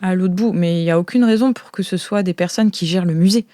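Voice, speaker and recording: A woman playing a flustered insider guide in an improvised audio role-play, explaining things in a halting, hesitant way. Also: on the low side, mellow, dry recording, natural voice. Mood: earnest. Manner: hesitant, halting, searching for words.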